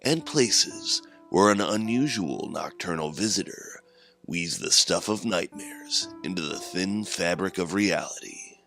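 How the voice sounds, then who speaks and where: A man as an ominous, very deep-voiced horror host. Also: expressive, vocal fry, fairly bright tone, heavily acted. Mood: theatrical, inviting. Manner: portentous, ornate, deliberate phrasing. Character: ominous, theatrical host of a mysterious otherworldly radio signal. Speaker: host of a horror anthology podcast. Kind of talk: scripted dramatic horror narration. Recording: music under the voice. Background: music.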